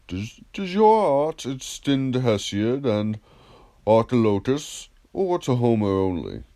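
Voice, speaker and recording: A man's voice: lowish voice, warm tone. A man voicing a wise, courteous philosopher who questions patiently and methodically in an audiobook dialogue. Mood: patient probing. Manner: measured, polite, methodical questioning.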